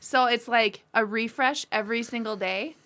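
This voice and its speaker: A woman's voice: fairly high pitch, moderate pace, fairly bright tone. A woman co-hosting a podcast, telling stories in light, casual chat. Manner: light and chatty, tells stories. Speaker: podcast co-host.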